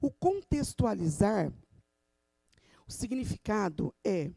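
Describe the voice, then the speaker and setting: A woman with a hoarse, low voice, a teacher giving an emphatic church talk in Brazilian Portuguese. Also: sing-song, takes it slowly, dark tone, no room sound. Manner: emphatic, teacherly, addresses the audience.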